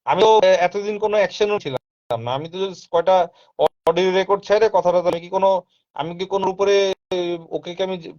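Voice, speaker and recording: A man talks at length in a firm, insistent way, repeating himself and slipping English phrases into his speech. His voice sits slightly high for a man. The recording is dull and lo-fi. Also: a little mellow. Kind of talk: casual live talk. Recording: dull lo-fi sound.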